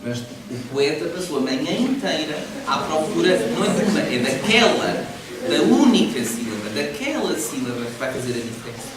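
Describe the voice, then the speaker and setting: A man's voice: fairly high pitch, moderate pace, crowd noise. A man teaching a poetry class, explaining with animation and frequent laughs. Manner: lively, explanatory, laughs often. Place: large echoey library hall. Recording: echoey hall, distant mic, noisy.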